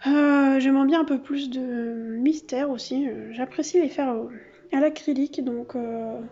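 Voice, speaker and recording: A woman's voice: sits high, fairly even intonation, measured pace, dark tone, dull audio. A woman vlogging casually from her home office. She chats as she shows her collection, with many fillers and self-corrections. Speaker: craft vlogger. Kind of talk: casual show-and-tell vlog. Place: home office under yellow artificial light.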